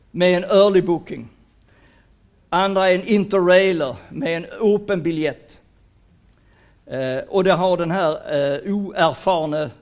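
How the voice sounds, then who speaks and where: Lecturing to an audience about career guidance, this retired man from Sweden, in his sixties, speaks on the high side. Playful and lively, he mixes Danish words into his Swedish.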